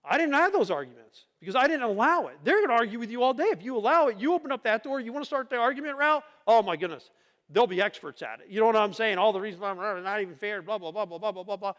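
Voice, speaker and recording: A middle-aged male pastor preaches in a relaxed, conversational way, pressing his points with emphasis. He often turns to the congregation with rhetorical questions. His voice sits high, and it rings with the long reverb of a church hall. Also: quick pace. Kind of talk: conversational sermon. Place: church sanctuary.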